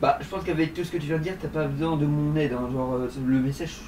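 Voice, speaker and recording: A man's voice: a little high, steady tone, fast talker, lightly acted. A man playing a casual, blunt genie of the lamp in a comedy skit, with offhand, conversational patter. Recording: roomy, distant, noisy home recording.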